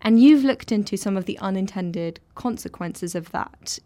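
A woman's voice: medium pitch, lively intonation, normal speed, dark tone. A woman presenter who describes her surroundings as she walks, then asks conversational interview questions.

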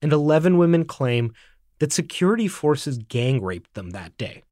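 A man narrating an investigative report in scripted, measured form. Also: on the high side. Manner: measured, even delivery. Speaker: documentary narrator.

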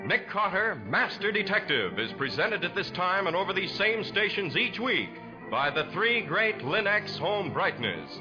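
A man's voice: sits high, big pitch swings, normal speed, music in the background. An American man announcing on 1940s radio with a polished, emphatic salesman's delivery. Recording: dull, muffled 1940s radio recording.

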